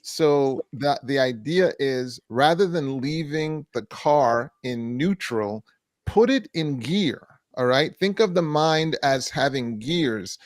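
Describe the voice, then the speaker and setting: A man co-hosting a mental health talk show, answering a viewer's question in a measured way and repeating key phrases for emphasis. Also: mid-range voice, expressive, dry recording.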